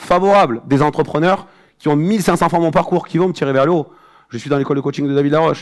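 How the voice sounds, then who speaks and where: Very fast in pace, a man talks at a fairly high pitch. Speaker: motivational speaker. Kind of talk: conference talk. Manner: animated.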